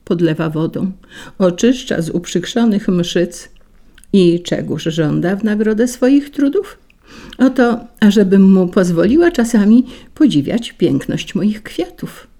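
A woman's voice: medium pitch, lively intonation, a little slow, mellow. A woman reading a storybook, voicing a proud, delicate foreign lady flower who speaks haughtily. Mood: haughty. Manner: haughty, self-satisfied.

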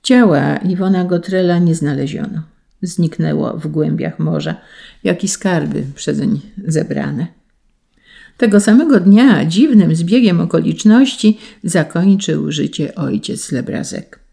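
An audiobook narrator reading a classic tale in a measured, solemn storytelling manner. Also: mid-range voice, gravelly, warm tone.

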